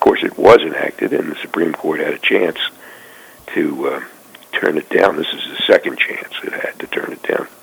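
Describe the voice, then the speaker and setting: An extremely high-pitched male voice at a moderate pace, lively in intonation, over noticeable background noise. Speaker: constitutional scholar. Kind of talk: radio interview. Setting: remote call.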